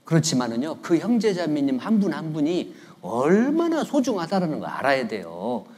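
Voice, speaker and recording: A man's voice: on the high side, huge pitch swings, moderate pace, a little mellow, husky. A middle-aged man, preaching a conversational sermon as a guest pastor in a church, joking and telling stories while he keeps prompting the congregation for replies. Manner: joking, storytelling tone. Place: church sanctuary.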